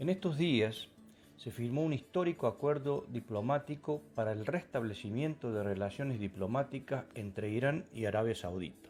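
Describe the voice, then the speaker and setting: A man's medium-pitched voice at a moderate pace, with lively intonation and music in the background. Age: 60s. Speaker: political commentator. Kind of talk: scripted commentary. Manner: formal.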